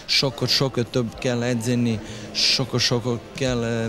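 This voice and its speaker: A man's voice: mid-range voice, flat delivery, crowd noise. A non-native man with a foreign accent giving a football interview in hesitant, broken Hungarian. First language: not Hungarian. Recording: noisy field interview.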